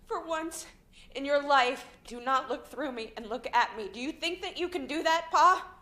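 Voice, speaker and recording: An actress playing a wealthy man's unhappy grown daughter, sharp and accusing. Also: high voice, normal speed. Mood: bitter.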